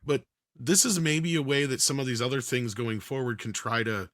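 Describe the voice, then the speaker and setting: A man with a bright, forceful voice in a dry-sounding setup discusses films casually. He is opinionated and keeps building his argument at length, like a regular on a talk show. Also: medium pitch, moderate pace, no echo. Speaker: panelist on an entertainment news talk show.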